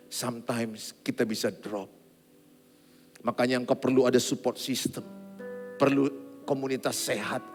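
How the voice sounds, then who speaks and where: A pastor preaching with passion, dropping to hushed tones and rising to loud appeals, with English phrases mixed into his sermon. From Indonesia. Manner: impassioned, swinging from hushed and low to loud and high. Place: large church hall. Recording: long church-hall reverb with soft instrumental music behind. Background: soft instrumental music.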